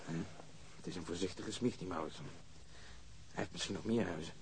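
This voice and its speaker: An actor playing a brisk, sardonic police detective in a radio drama, terse and dry in his delivery. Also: low-pitched, vocal fry, slight background noise. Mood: businesslike.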